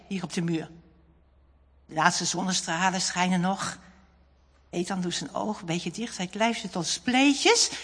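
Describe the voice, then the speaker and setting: A woman tells a children's story with dramatic, animated delivery. Her voice is bright and somewhat breathy. A long hall reverb surrounds the reading. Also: on the low side. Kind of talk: expressive storybook narration.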